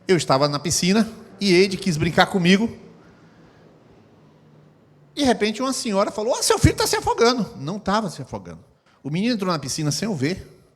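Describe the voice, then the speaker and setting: A middle-aged man preaching a sermon as pastor, acting out scenes with sound effects. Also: sits high. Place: church hall. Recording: long hall reverb.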